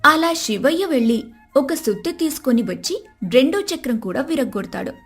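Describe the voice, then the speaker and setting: A woman narrates a scripted village tale. Her voice is fairly high, with faint music playing behind it. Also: big pitch swings, normal speed. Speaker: story narrator.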